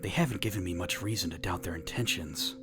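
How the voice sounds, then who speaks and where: A low male voice of an actor plays a brooding cartoon hero in an audio drama. He narrates in formal, dry, wry phrases, sounding tired of the world. Loud music runs underneath. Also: quick pace, natural voice. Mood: wry, guarded. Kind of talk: scripted first-person narration in a fan audio drama.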